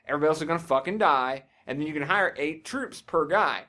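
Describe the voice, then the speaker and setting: Higher-pitched man, casually sweary gaming podcaster. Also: lively intonation, quick pace, bright, forceful tone. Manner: rambling, enthusiastic, casually profane. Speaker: podcast co-host.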